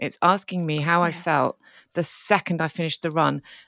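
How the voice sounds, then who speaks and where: The speaker has a British accent, and the sound is dry and close with no echo. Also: woman, very clean recording, silent background. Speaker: podcast host. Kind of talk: casual chat interview.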